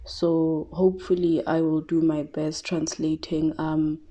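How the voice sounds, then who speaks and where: Soft-spoken, hesitant woman. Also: low voice, flat delivery, unhurried. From South Africa. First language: Tshivenda. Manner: hesitant, many fillers and restarts. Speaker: tarot reader. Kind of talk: casual psychic reading.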